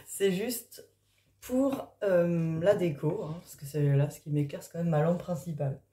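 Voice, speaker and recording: A woman card reader talking casually in an early-morning voice, improvising and thinking aloud in a halting way with trailing pauses. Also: fairly low pitch, dark tone. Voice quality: early-morning voice, which the speaker calls gruff. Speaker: tarot card reader and spiritual coach. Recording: echoey, reverberant room.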